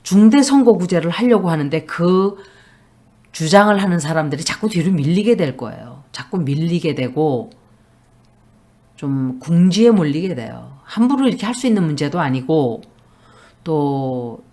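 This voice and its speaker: Low-voiced woman reading tarot. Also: animated, moderate pace, warm tone. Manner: blunt, emphatic predictions. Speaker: tarot reader.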